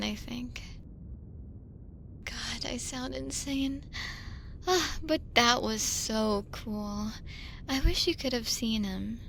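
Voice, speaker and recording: A woman's voice: sits high, vocal fry, fairly bright tone, slight background noise, heavily acted. A woman playing a drunk, lonely young woman in an ASMR roleplay, rambling and giggling her way through a late-night voicemail with tipsy hesitations. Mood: tipsy wonder.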